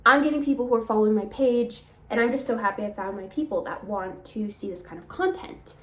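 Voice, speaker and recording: A woman's voice: a little high, fairly quick, echoey room. A young woman, a small business owner, chatting casually to camera in a rambling vlog with a slightly nasal sound from allergies. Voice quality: chatty, rambling, laughs between phrases. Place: home.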